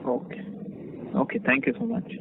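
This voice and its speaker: A man with an Indian accent, an analyst phoning in to ask questions on an earnings call. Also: moderate pace. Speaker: analyst caller. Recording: noisy narrow phone line.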